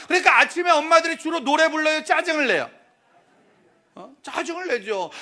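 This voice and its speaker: A middle-aged male pastor preaching a lively, humorous sermon in a church, teasing and questioning the crowd. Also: high-pitched. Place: church sanctuary.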